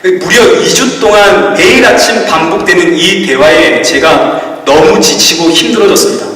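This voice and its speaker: A man's voice: high-pitched, moderate pace, pushed and bright. A middle-aged man preaching a sermon as a pastor, telling a personal story in a confessional way. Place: church sanctuary. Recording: echoey hall, distant mic.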